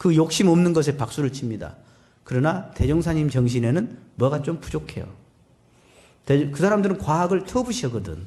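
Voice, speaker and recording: A man with a fairly high, somewhat breathy voice speaks at a moderate pace in an animated tone. His pitch swings very widely, and the room echo is audible. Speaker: Won Buddhist minister. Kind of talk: sermon. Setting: dharma service hall with live audience.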